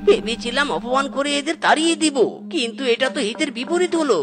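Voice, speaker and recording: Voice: high-pitched, fast talker, natural voice. An actor voicing a stingy, panicky young duck son in a comedy cartoon, whining in exclamations. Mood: whiny, alarmed. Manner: whining exclamations, repeated catchphrase. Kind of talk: Bengali comedy cartoon dialogue.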